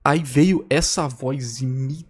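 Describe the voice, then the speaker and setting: Taking his time, a Brazilian reaction video host speaks in a husky, mid-range voice. He reacts casually and tells stories full of slang, rambling and repeating himself.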